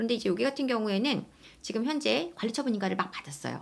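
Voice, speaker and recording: A woman's bright, sharp voice swings very widely in pitch and carries vocal fry. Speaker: real estate investment YouTuber. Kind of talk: investment advice talk. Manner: fast.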